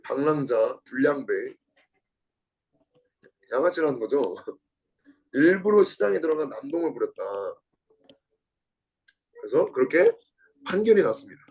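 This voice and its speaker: A man's voice: creaky, husky, low-quality recording. A man teaching a Bible lesson, reading a book aloud and adding commentary, repeating key words and asking his listeners questions, with sudden bursts when he acts out the quotes. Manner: dramatizes quotes with sudden shifts in pitch and loudness. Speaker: Bible study lecturer.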